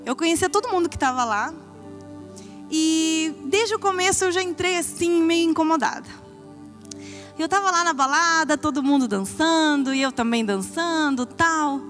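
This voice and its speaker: A woman's voice: very high-pitched, normal speed, fairly bright tone, faint music behind. A young woman giving a church testimony, telling her story earnestly and acting out her own past words. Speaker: pastor's wife giving testimony.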